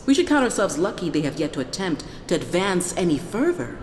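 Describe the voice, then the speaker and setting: Low-voiced, composed, resolute Prime Minister. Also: female voice, sing-song, very noisy. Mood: firm. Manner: measured, formal, resolute. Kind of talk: sci-fi audio drama parliamentary speech. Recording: echoey hall, music behind.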